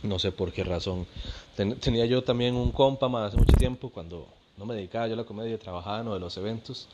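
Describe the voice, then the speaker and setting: A man's voice: lowish voice, quick pace, background noise. Chatty Costa Rican man, thirties. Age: 30s. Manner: chatty, laughing, slangy. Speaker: comedian and podcast host. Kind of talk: casual storytelling monologue.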